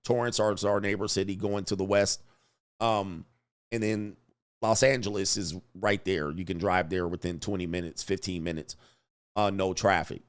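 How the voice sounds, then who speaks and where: A man's voice: sits low, fairly even intonation, moderate pace. A middle-aged man from Southern California, hosting a casual livestream and reading viewer super chats with laughing, mocking asides.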